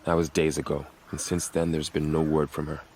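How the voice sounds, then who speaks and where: A man playing a dutiful, solemn tribal warrior guarding a gate in a video game, speaking in a measured, earnest, grave manner. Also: rumbling low, little pitch movement, darkish tone, slight background noise. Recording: faint music behind the voice.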